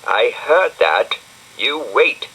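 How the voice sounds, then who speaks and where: Man voicing a sarcastic grumpy shaggy dog, dry muttering delivery, bright tone, swooping pitch. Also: sing-song, very slow, slightly rough, heavily acted, rough recording. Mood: grumbly.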